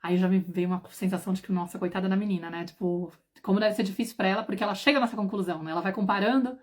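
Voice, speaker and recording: A woman's voice: mid-range voice, fairly even intonation, rapid-fire, a little mellow. A woman in her thirties or forties, a parenting mentor hosting a livestream, telling stories chattily with many asides. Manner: chatty storytelling, many asides and tag questions. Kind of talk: casual livestream talk.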